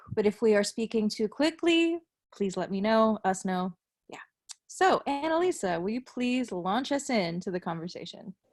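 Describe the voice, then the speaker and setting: Somewhat breathy, a woman's voice makes very wide pitch swings in a dry, close sound with no echo. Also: fairly high pitch for a woman. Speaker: panel co-facilitator. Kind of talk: livestream panel talk. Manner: fast.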